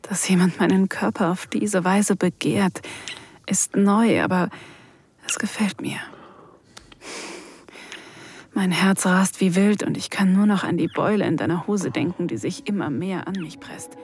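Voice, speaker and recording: A woman acting a shy, vulnerable mature woman, narrating an erotic audio drama softly and breathily, often sinking into a whisper. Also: on the low side, moderate pace, slightly rough, no echo. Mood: sensual.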